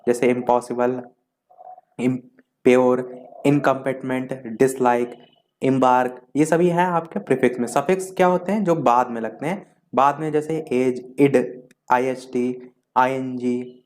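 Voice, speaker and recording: A man teaching an exam-prep English grammar lesson, explaining in Hindi and reading English definitions slowly. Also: medium pitch, fairly even intonation, a little mellow.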